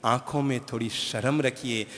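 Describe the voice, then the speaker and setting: A man's voice: medium pitch, fairly even intonation, unhurried, a bit bright, big-room sound. A male spiritual teacher giving a sermon, emphatic and repeating key phrases, often asking his audience questions.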